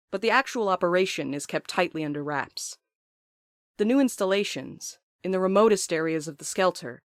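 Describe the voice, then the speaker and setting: An actor as uneasy thoughtful writer, audio drama monologue, mid-pitched, articulate, literary, measured, dry close recording. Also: no echo, lightly acted. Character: thoughtful, uneasy writer recounting observations in a private letter. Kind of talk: scripted first-person audio drama monologue.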